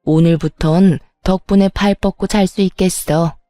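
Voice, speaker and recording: A woman's voice: fairly low pitch, steady tone, normal speed, warm tone, no room sound, faint music behind, natural voice. Woman playing a spiteful scheming mother-in-law. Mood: gloating. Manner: mocking, then falsely wailing.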